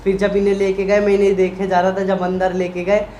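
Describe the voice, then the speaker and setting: A man in a casual vlog chat, retelling a hospital story in an animated, emotional way and acting out what people said. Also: sits high, brisk, reverberant, lo-fi sound, slight background noise. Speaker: vlogger, husband.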